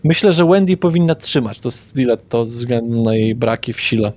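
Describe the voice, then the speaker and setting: Male game master, mid-pitched, casual tabletop narration. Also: lively intonation, normal speed, a little mellow.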